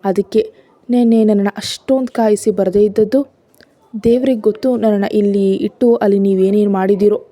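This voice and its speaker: A woman's voice: mid-range voice, steady tone, a little fast, warm tone, no echo, lightly acted. Woman voicing a hurt, jealous young wife. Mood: accusing. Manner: accusing, tearful pleading.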